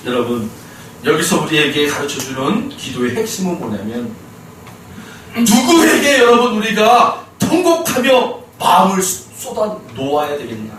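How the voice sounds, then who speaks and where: Man, pastor, lively storytelling sermon, distant mic, faint room noise. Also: high voice, a little slow. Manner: animated storytelling preaching, addressing the congregation often. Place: church sanctuary. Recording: very echoey church hall, mic far off.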